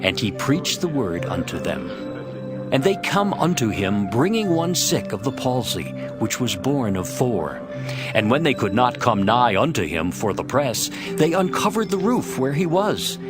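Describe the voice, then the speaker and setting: A man's voice: mid-range voice, sing-song, a little slow. A man narrating a dramatized scripture reading from a script. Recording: music behind the voice.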